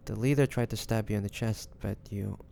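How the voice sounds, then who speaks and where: A man's voice: lowish voice, fairly even intonation, brisk, warm tone, a little hiss or hum. A man playing a devoted, anxious young man caring for a wounded loved one, tender and hesitant, in a romantic audio roleplay. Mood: apologetic, soothing. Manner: tender, hesitant, breathy sighs, addressing the listener. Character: devoted, anxious young man tending his wounded dragon-shifter beloved.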